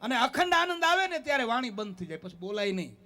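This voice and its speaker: High-voiced Kathiawadi man giving a folksy sermon. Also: big pitch swings, fast talker, sharp tone, faint music behind. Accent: Kathiawadi Gujarati. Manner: keeps asking listeners "eh?" as a tag; folksy, storytelling delivery. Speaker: spiritual discourse speaker. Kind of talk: devotional discourse with folk stories and sung verses.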